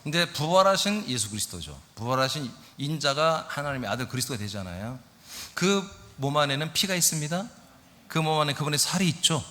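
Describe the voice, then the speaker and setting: A man's voice: on the high side, brisk. Man preaching in a ringing church hall. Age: middle-aged. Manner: lively preaching, asks the congregation questions. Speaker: pastor. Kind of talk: sermon. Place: church sanctuary.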